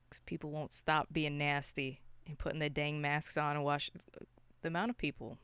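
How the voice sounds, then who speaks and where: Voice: medium pitch, flat delivery, a little slow, long pauses, a bit bright, smooth, no room sound. A podcast co-host from Canada chatting casually about movies in an opinionated, slangy way.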